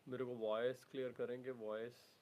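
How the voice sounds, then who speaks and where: A man's voice: medium pitch, level tone, normal speed, darkish tone. A middle-aged man hosting a live stream from an office, mixing English words into his speech as he reads out viewers' cities. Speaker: live-stream host and trainer. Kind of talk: live-stream chat reading viewer messages.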